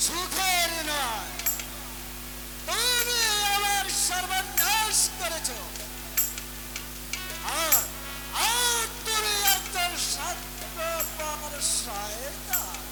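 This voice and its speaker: A haughty, hostile official on a folk stage, very high in pitch and hammy. The words are drawn out slowly and declaimed, echoing under loud music. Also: very animated, very noisy, full character voice. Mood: accusing.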